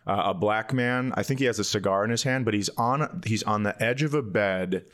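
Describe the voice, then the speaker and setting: Low-voiced man bantering casually. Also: a little fast, a bit bright. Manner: joking, self-deprecating. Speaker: comedy podcast co-host.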